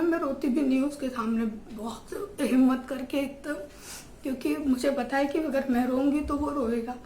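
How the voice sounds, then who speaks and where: A woman's voice: high-pitched, darkish tone, echoey room, a little hiss or hum. A woman talking to her viewers in a casual home vlog, in an emotional, heartfelt way. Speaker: vlogger and mother.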